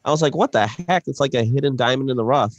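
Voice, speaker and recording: Male podcast co-host, mid pitch, loose rambling delivery, dry close mic. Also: fast, dry recording, highs cut off. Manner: rambling storyteller, many fillers and restarts. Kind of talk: casual chat.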